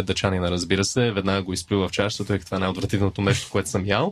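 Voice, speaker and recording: A man's voice of fairly low pitch. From outside Bulgaria. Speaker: journalist and documentary maker. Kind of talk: casual chat.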